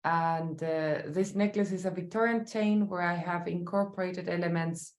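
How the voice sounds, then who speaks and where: A woman from Chile with a Chilean Spanish accent, speaking as a sculptor in an interview, thoughtful and halting with many fillers. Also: on the low side, steady tone. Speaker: sculptor guest. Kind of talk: interview answers. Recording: roomy echo.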